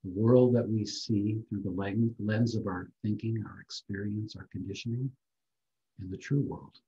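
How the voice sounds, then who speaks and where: An older man giving a reflective talk on a video call, speaking softly and gently. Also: on the low side, fairly even intonation, highs cut off. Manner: soft-spoken, slow and gentle. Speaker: guest speaker.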